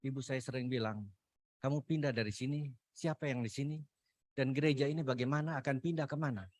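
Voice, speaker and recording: A man giving an earnest, emotional personal testimony at a Christian fellowship, breaking off mid-phrase and sometimes dropping to a hushed voice. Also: mid-range voice.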